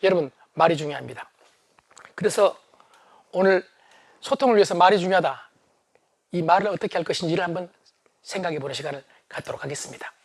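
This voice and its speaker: A middle-aged man giving a humorous leadership lecture, animated and often shouting for emphasis. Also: sits high, quick pace, long pauses, no echo.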